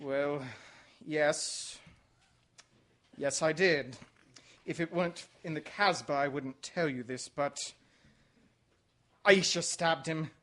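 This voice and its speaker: A man acts out a debonair gentleman gone to seed abroad. His voice is high for a man. He is suave, sly and theatrical, in radio drama style. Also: slow, long pauses. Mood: nonchalant, evasive. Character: debonair, sly English gentleman exile, Foreign Legion deserter. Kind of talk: radio mystery drama acting.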